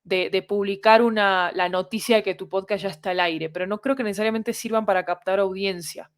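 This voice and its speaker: A woman's voice: mid-range voice, steady tone, brisk, dry recording, studio quality. A woman, speaking as an interview guest and explaining ideas articulately, point by point. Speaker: interview guest, audio fiction creator.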